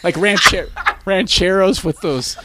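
A man's voice: high-pitched, a little slow, noisy background. A man telling a long anecdote in casual conversation, with many restarts. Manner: animated, rambling with restarts. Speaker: guest. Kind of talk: casual storytelling.

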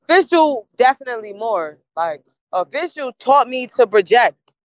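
A woman guest on a casual podcast who talks about her craft with plenty of emphasis, often saying a point twice in a row. Her voice sits a touch high. The sound is dry and close, with no room in it. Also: very animated, normal speed, no room sound. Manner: emphatic, repeats phrases to drive a point. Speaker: podcast guest, battle rapper.

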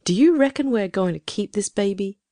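A woman voicing a stern, sharp-tongued older farm wife who scolds in a grim, clipped way. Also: medium pitch, lively intonation, brisk, no echo, clean studio sound, pitched below the performer's own voice, lightly acted.

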